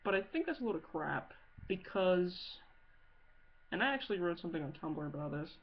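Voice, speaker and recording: A woman's voice: lowish voice, lively intonation, fairly quick. A woman giving a casual, comedic video-blog monologue in a blunt, sweary, sarcastic way. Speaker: amateur video blogger. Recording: muffled audio with clear background noise.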